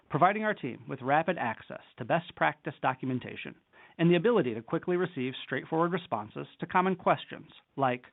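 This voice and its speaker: A man reading a scripted corporate presentation as a company executive in a measured, formal delivery. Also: a little high, gravelly. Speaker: company executive on an earnings call. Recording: narrow phone-line conference call audio.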